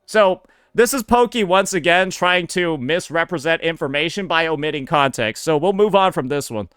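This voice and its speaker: A man's voice: a little high, expressive, moderate pace, fairly bright tone, clear, resonant tone, no room sound. A man doing sarcastic, profane reaction commentary as a streamer, recorded on a close mic.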